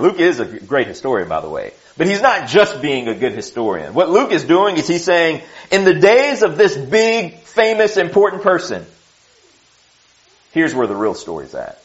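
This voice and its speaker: A man teaches through scripture in a sermon, moving between reading verses and chatty asides. His pitch swings widely as he talks, sitting a little high for a man. The recording sounds dull and lo-fi. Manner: conversational, animated, with asides and restarts. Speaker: preacher.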